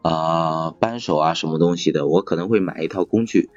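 Low-voiced man chatting, repeating himself. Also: moderate pace, a little mellow, no room sound. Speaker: podcast speaker, factory assembly worker. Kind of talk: casual chat. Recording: slightly dull, music behind. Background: music.

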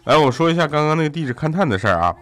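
A man's voice: on the high side, big pitch swings, racing, fairly bright tone, faint music behind. A young man hosting a comedy radio show, telling funny stories about family and friends and laughing often. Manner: jokey, laughs often, mimics family in quotes. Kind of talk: comedic storytelling chat.

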